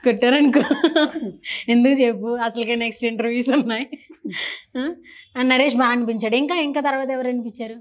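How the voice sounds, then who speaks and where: A woman interviewer with a slightly high voice chats with young children. She teases them playfully and keeps the talk light and casual. She speaks into a handheld mic. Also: fairly even intonation, brisk, long pauses, dull audio. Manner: playful, teasing, chatty with kids.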